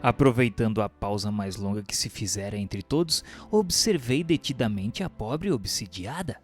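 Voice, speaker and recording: A man's voice: lowish voice, animated, moderate pace, slightly rough. A man narrating a radio drama from a script in a formal, solemn, literary manner. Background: music.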